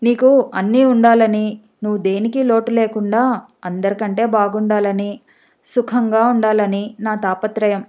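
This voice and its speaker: A woman's voice: mid-range voice, fairly even intonation, measured pace, darkish tone, close to an everyday voice. A woman reading as an exasperated young husband. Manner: exasperated, pleading. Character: frustrated young husband, a busy doctor.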